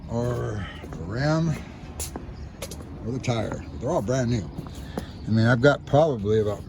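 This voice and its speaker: Man, middle-aged, casual rambling chatter, chuckles, outdoor farmyard, engine noise. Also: medium pitch. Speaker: homestead vlogger. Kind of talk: casual chat. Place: outdoor farmstead yard.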